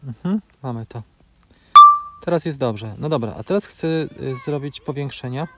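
Outdoors in open grassland, a drone video creator in his forties gives practical, step-by-step tutorial commentary while flying, dropping filler sounds between phrases. His mid-range voice is expressive at a normal speed, and the recording is very noisy.

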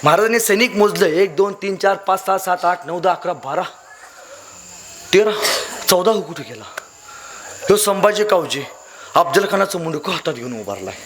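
A man's voice: high voice, animated, normal speed, pauses often, a crowd in the background. A young man telling a dramatic story as a public speaker, declaiming and repeating phrases for emphasis. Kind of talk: fiery storytelling speech.

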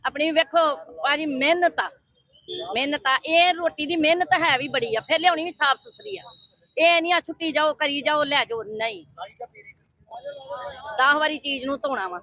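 A woman's voice: high voice, normal speed, long pauses, sharp tone, no echo, rough recording. An older woman who cooks at her family food stall, speaking in a devout, matter-of-fact way. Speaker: food stall cook, mother. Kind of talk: casual interview.

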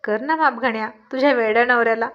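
A woman's voice: on the high side, fairly even intonation, quick pace, lightly acted. A woman voicing a playful, teasing young husband in a storybook reading, with a coaxing manner. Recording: dull lo-fi recording.

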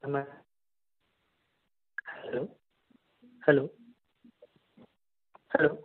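A man calling in over a faint, breaking phone line to ask questions on an earnings call, halting and full of fillers. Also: mid-range voice, little pitch movement, slightly rough, no room sound. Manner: halting, repeats hello, many fillers. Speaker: analyst caller. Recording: tinny dry phone line.

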